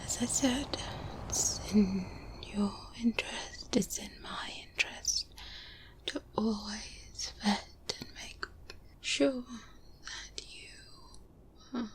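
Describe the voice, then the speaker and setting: Woman as whispery, slow-talking hunter mentor. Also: mid-range voice. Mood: stern warning. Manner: earnest, measured, firmly warning. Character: stern, cautious female vampire-hunter mentor laying down rules. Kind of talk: soft-spoken ASMR roleplay. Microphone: close-up binaural microphone.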